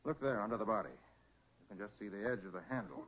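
An actor playing a brisk, authoritative master detective in a 1940s radio crime drama, speaking in a deliberate, clipped, commanding way. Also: male voice, lowish voice, lively intonation, a bit bright. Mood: crisp, assured. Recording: muffled vintage 1940s radio recording.

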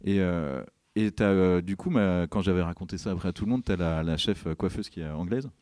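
Recorded dry, a man with a low voice talks a little fast as he guests on a podcast. He's a film director from Brittany and a lively storyteller who plays the people in his anecdotes in a casual interview.

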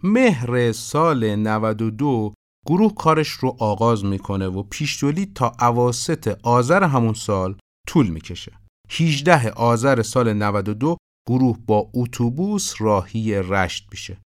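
A man hosting a podcast, narrating production history in an informative, steady way. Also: mid-range voice. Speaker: podcast host. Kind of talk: scripted narration about film production.

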